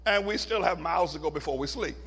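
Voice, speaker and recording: A man's voice: on the high side, fast, a bit bright, breathy edge. A man hosting his own show as a pastor, preaching emphatically, repeating phrases and calling cues to his engineer. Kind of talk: preaching talk show monologue.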